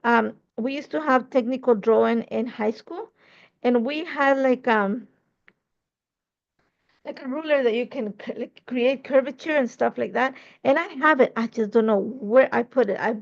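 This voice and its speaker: A woman's voice: fairly high pitch, normal speed, vocal fry, highs cut off. A woman from Ecuador chatting casually through a scrapbooking tutorial, rambling and correcting herself as she goes. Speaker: scrapbooking crafter demonstrating a layout. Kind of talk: casual craft tutorial talk.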